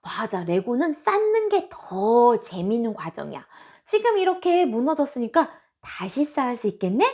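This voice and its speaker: A woman voicing a calm mother who gently soothes and coaxes a crying child. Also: fairly high pitch, normal speed. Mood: soothing. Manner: soft, patient, coaxing.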